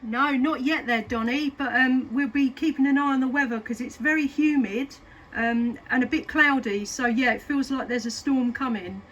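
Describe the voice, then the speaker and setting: A woman's voice: sits high, normal speed, a bit bright, dull audio. A woman chatting casually as a CB radio operator. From southeast England. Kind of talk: casual radio contact chat. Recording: CB radio session with clear static noise. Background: radio static.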